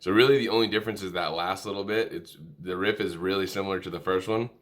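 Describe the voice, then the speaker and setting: A man giving an informal music lesson, calling out notes in a halting, easygoing way and correcting himself as he goes. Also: low voice, steady tone, noisy background. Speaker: music tutorial instructor. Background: musical instrument playing between and under phrases.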